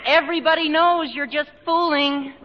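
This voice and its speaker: A man's voice: very high-pitched, fairly even intonation, normal speed, very noisy. An actor playing an eager, chatty teenage male student in 1940s radio comedy style. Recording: muffled old radio broadcast with reverb.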